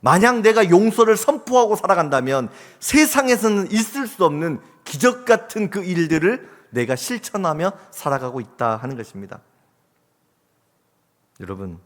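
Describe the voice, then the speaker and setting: A male pastor preaching a sermon, dramatic and swinging from hushed to loud. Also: on the high side. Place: church sanctuary. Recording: long church hall reverb.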